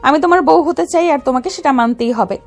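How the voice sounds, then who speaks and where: A woman's voice: high-pitched, fast, soft background music. An actress playing a young, possessive female mafia don who speaks in a domineering, teasing way in an audio drama. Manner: domineering, teasing, calls him baby.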